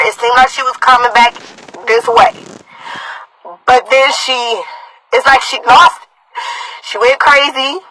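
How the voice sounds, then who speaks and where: A woman's voice: fairly high pitch, noisy background. A woman speaking as a mother on a live video, upset as she tells viewers directly what happened. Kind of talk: casual live-stream talk to viewers.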